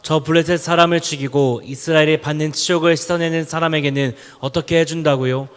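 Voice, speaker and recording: A man reading a passage of scripture aloud, in a steady, even manner. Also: fairly high pitch, a little fast, clear, resonant tone. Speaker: scripture reader. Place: church education hall. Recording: reverberant church hall.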